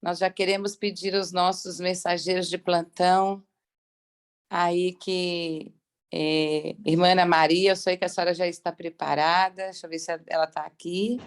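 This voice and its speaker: Lower-voiced Brazilian woman, strained from coughing. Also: level tone, moderate pace, clean tone. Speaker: co-host of online prayer meeting. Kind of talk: informal hosting of online devotional.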